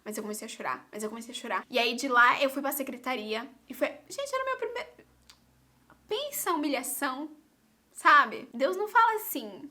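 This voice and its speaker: A young Brazilian woman with a Brazilian Portuguese accent tells a story straight to camera in a vlog. Her voice sits high and sounds bright. She keeps it dramatic and animated, calling out to her viewers again and again. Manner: animated and dramatic, often addresses viewers directly. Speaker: vlogger.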